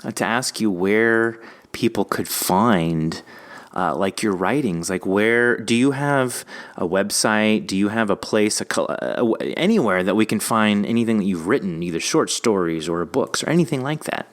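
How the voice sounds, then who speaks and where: A man's voice: fairly low pitch, normal speed. A man chatting casually as a podcast host interviewing a guest, encouraging and jokey in manner.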